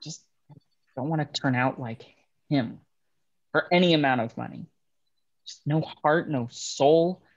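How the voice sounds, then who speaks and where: A man playing a bitter young railroad worker in a dramatic table read, speaking in a halting, understated way. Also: on the high side, creaky, dull audio. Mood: bitter, subdued. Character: bitter young railroad man estranged from his ruthless father.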